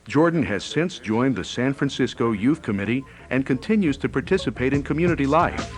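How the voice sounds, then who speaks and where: A man's voice: mid-range voice, animated, fairly quick. A man reading scripted narration for a newsreel as its narrator. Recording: music bed under narration. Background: faint music.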